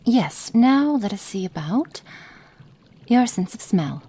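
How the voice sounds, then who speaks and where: Woman playing a slow, menacing cruel witch. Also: mid-range voice, very animated, slightly rough, exaggerated voice. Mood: clinical, curious. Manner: slow, menacing, drops into soft whispers. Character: cruel, cold female witch experimenting on a captive. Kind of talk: ASMR roleplay.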